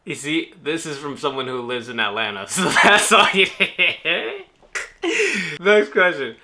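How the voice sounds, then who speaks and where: A man's voice: a little high, very animated, slow pace, pauses often, a crowd in the background. A young man from New Orleans answering viewer questions in a laid-back, joking vlog style. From New Orleans, United States. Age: young adult. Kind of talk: casual Q&A vlog.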